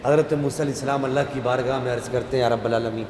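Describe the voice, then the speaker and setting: A male preacher telling a story in an impassioned sermon, with dramatic swells into near-shouting. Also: medium pitch, fairly even intonation, slight background noise. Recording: echoey hall reverb.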